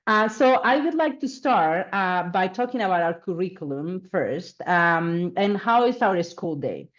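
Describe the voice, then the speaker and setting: A woman, a school director, presenting to families over a video call in a friendly, explanatory way with frequent fillers. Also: lowish voice. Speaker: school resident director hosting a reception. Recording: dull lo-fi call audio.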